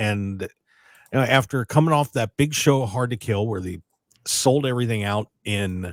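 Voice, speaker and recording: Recorded very cleanly against a silent background, a man's voice comes through dry and close with no echo. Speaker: radio show host. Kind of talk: radio talk show discussion.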